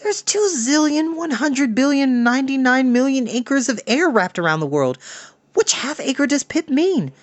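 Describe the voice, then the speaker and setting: A man doing a shrill, wide-eyed boy. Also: expressive, moderate pace, no echo. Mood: amazed.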